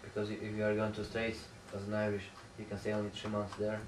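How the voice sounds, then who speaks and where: Flat-toned non-native male interviewer, far-off. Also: lowish voice, fast talker. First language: not English. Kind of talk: casual interview questions. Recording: distant mic, echoey room, faint noise.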